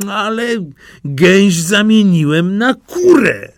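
A simple, good-natured old farmer from a storybook talks earnestly in a raised, lively voice, as a male narrator puts him on. He speaks slowly, close to the mic in a dry room. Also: sits high, no echo, pitched above the performer's own voice, full character voice.

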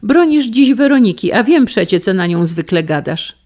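A woman's voice: low voice, expressive, normal speed. A woman voicing an indignant, argumentative middle-aged wife in a storybook reading, with a heated manner.

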